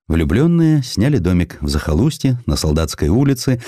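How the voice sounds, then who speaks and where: A man narrating a historical sketch in an expressive scripted style, with dramatic, deliberate phrasing. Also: low-pitched, dry recording, clean studio sound. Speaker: audiobook narrator.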